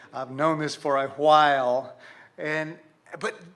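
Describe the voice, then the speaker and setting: The speech moves at a very slow pace in a bright, sharp tone. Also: man. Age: 60s. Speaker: pastor. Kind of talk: sermon. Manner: casual.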